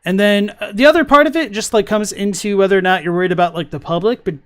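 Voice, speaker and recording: A man with a slightly raspy voice, chatting casually and jokingly as a livestream host in a podcast style. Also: sits high, fast talker, fairly bright tone.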